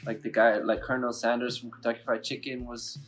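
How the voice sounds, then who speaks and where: A man's voice: mid-range voice, flat delivery, fast talker, fairly bright tone. Chatty man in his thirties, faint music behind. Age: 30s. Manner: enthusiastic, chatty, lots of "like". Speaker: podcast host. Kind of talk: casual interview talk.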